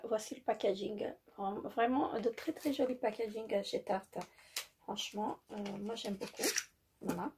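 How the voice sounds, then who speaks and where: Woman, makeup vlogger, slow-paced, husky voice, hesitant, lots of fillers. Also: fairly high pitch, a little mellow. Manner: hesitant, many fillers, repeats "très joli"; apologizes for her English. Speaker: beauty vlogger. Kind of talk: casual product haul.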